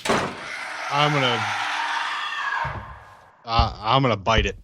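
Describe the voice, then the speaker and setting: A man's voice: medium pitch, slow, bright, forceful tone, no echo. A man chatting casually as a player in a tabletop roleplay game.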